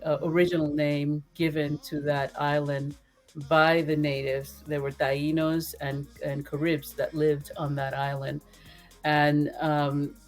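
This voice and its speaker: A woman from the Dominican Republic whose first language is Spanish, talking as a podcast guest in an animated, earnest way and laughing often. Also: low voice. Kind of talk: casual interview conversation.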